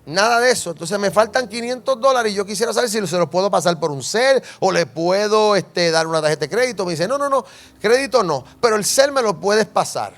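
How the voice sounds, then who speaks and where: A man's voice: high-pitched, a little fast. A Puerto Rican man, a pastor, telling a personal testimony in a sermon and asking the congregation questions. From Puerto Rico. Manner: animated storytelling, asks the congregation questions.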